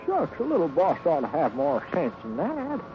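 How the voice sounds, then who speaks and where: An actor playing an excitable, homespun comic cowhand with an American Western drawl and folksy exclamations, in a 1950s radio western. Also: male voice, a little high, moderate pace. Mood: protesting. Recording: muffled, noisy old radio recording.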